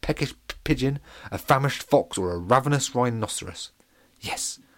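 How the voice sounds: The clip features a natural reading voice with lively intonation.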